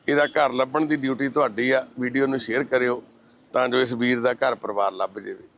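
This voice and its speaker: A man's voice: medium pitch, fairly even intonation, a little fast, vocal fry, fairly bright tone, slight background noise. Earnest, devout Punjabi volunteer man. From Punjab, India. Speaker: charity volunteer rescuing destitute people. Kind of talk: on-site appeal and conversation. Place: outdoors by a roadside garbage heap.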